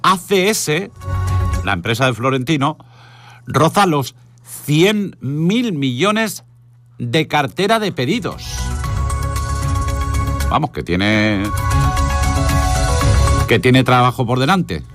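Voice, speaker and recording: Spanish guy hosting radio, wry news chat, takes his time w lots of pauses, music behind him. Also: mid-range voice, sing-song. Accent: Spanish from Spain. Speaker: radio host. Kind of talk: informal news commentary and press review.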